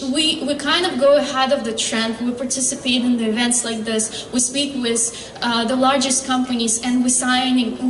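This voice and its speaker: A woman founder giving a startup pitch and answering questions, earnest and halting, with many fillers and restarts. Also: a bit bright, slight background noise. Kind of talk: pitch presentation and Q&A. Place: convention hall stage. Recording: echoey hall, distant mic.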